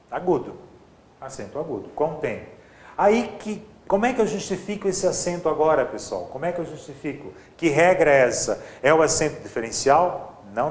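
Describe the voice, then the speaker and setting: A man's voice: a little high, echoey room. A man teaching an exam-prep grammar lesson, explaining step by step and checking in with his students often.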